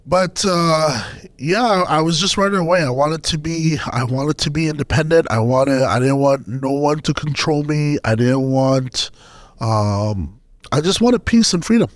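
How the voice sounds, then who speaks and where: A man from Sudan speaking as a podcast guest, telling his personal story in a halting, hesitant way. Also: on the high side, lively intonation, no room sound, studio quality.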